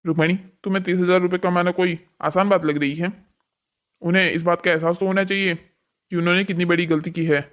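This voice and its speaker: A strict, unyielding family man from a cartoon drama voiced by a man. He speaks in a somewhat high male voice, with a firm, lecturing manner. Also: little pitch movement, a little fast, fairly bright tone. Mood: firm, irritated. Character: strict, unyielding father and husband. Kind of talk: scripted cartoon story dialogue.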